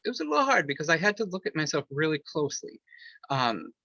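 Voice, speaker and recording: Speaking fast with big pitch swings, an author being interviewed uses a slightly high voice with vocal fry that sounds pushed and bright. His answer about personal matters is candid and rambling, full of fillers and restarts, in a dry, dull lo-fi recording with no echo.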